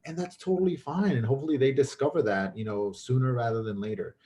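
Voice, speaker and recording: Speaking quickly in a dark-toned, mid-range voice, this filmmaker guest grew up in Mexico with Spanish as his native tongue. In the casual conversation he's reflective, frequently starting his sentences over and leaning on fillers.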